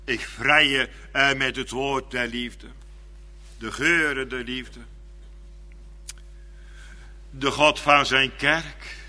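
A man preaching a sermon in slow, fervent phrases, dropping now and then to a quiet, drawn-out delivery. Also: mid-range voice, fairly even intonation, big-room sound.

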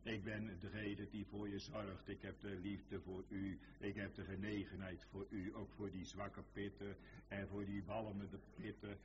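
A man preaching who voices the Lord, speaking slowly, deeply and reassuringly. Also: level tone, noisy background, close to an everyday voice. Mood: solemn tender. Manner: slow, deep, reassuring and solemn. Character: the Lord, a solemn, tender male divine voice. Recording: reverberant hall, dull lo-fi sound.

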